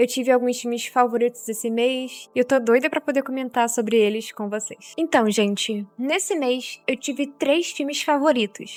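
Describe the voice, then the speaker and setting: Over music in the background, a woman talks at a moderate pace in a high voice. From Rio de Janeiro state, Brazil. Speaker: YouTuber, vlogger. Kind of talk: casual monthly favorites vlog. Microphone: broken microphone, using substitute.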